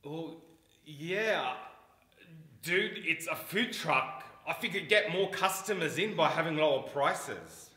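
A man's voice: on the high side, lively intonation, slow pace, bright, forceful tone, echoey room, full character voice. An actor playing a laid-back young male food truck partner with a casual, easygoing manner. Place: studio with plain backdrop.

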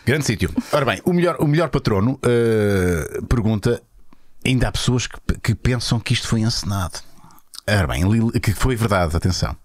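A male host running a casual interview in a playful, animated way with many fillers. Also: fairly low pitch, moderate pace, dry recording, clean studio sound.

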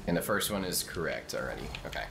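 A man's voice: very deep voice, lively intonation, fast, vocal fry, noisy background. A young man joking and swearing while playing a co-op game with a friend, tossing in goofy pirate talk. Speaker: gamer. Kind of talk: casual co-op gameplay chat.

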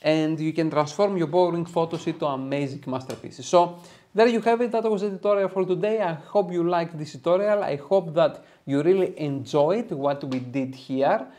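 This photo editing tutorial host is a Greek man in his thirties who speaks with a Greek accent and guides viewers eagerly through each step from a small home studio. His pitch is fairly high and slightly mellow, and he talks at a normal speed.

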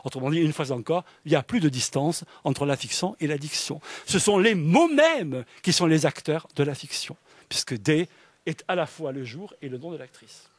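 A man's voice: on the high side, very animated, moderate pace, dry recording. A man giving a literature lecture in an enthusiastic way, reading passages aloud and often saying "alors" and "hein". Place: public library event.

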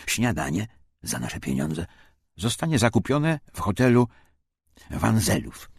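A man reading a scripted documentary memoir as an audiobook narrator, with measured, formal and dramatic delivery. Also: lowish voice, huge pitch swings, gravelly, slightly rough, dry recording, studio quality.

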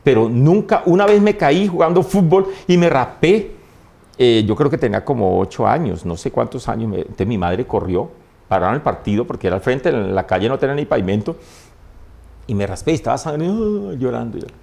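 A man, a priest, telling stories in a warm way and often laughing during an interview. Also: medium pitch, expressive, a little fast, creaky. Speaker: priest, guest. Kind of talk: interview anecdotes. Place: TV studio.

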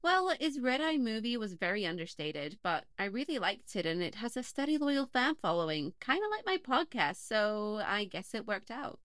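A woman's voice: medium pitch, big pitch swings, normal speed, hardly any pauses, fairly bright tone, no room sound, studio quality. An actress playing a young woman podcast host, wry at first and then panicked and sobbing. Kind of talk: audio play acting.

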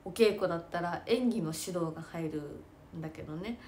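A woman's voice: on the low side, fairly quick, a little mellow, slight background noise. A young woman chatting casually in a self-deprecating way, laughing often as she talks. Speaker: idol and stage actress. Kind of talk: casual chat.

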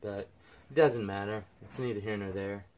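A man's voice: lowish voice, fairly even intonation, normal speed, a little mellow. A middle-aged man, host of a homesteading channel, chatting casually and explaining as he works in a small shed. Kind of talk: casual chat while working. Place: small metal-walled shed and outdoor yard.

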